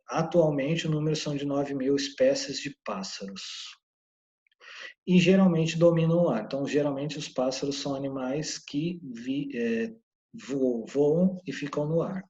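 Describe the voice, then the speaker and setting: A male teacher walks his students through an English lesson. He explains step by step and keeps checking in with them. His voice is mellow and dark, and the recording sounds muffled and lo-fi. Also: mid-range voice.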